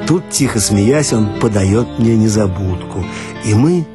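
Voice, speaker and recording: A man's voice: on the low side, lively intonation, measured pace. A man reading humorous first-person stories for radio in a mock-earnest, ironic manner. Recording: archival radio recording with guitar music. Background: guitar music.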